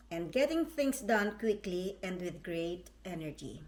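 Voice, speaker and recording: Speaking at a fairly slow pace with a Filipino accent, a woman uses a medium pitch and lively intonation. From Philippines. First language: Tagalog and Ilocano. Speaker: vlogger. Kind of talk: reading aloud.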